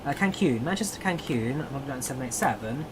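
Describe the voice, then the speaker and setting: An English man chats loosely through a live stream, thinking out loud and answering viewers as he goes. His voice sits at an everyday middle pitch. A clear, steady hum like air conditioning runs under his voice. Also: racing. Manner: chatty, thinks aloud, answers chat viewers. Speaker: flight simulator streamer. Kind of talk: casual live-stream commentary.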